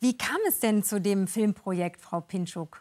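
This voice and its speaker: An ordinary speaking voice from a woman at medium pitch, lively intonation, a dry, close sound with no echo, on a very clean recording with a silent background. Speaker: moderator. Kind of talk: panel discussion. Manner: formal.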